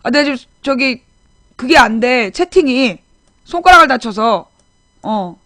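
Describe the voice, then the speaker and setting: A woman in her forties hosts a live political chat show, her voice high, animated and unhurried with a sharp edge. She reminisces about her childhood in a rambling, chatty way, restarting often and reading viewer names aloud during this casual live stream. The recording is dry, with clean studio sound.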